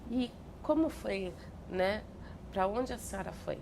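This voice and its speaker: A woman interviewing for an oral history archive, asking short, quiet questions from away from the microphone. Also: mid-range voice, expressive, measured pace, vocal fry. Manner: quiet and attentive, short prompts. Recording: off-mic with noticeable hiss.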